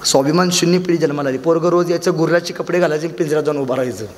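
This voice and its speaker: A man's voice: a little high, steady tone, rapid-fire. A young man with a Marathi accent giving an emphatic motivational speech with stories, often repeating key lines. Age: young adult. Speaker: motivational speaker. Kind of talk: public motivational speech with storytelling. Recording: long reverb of a large hall.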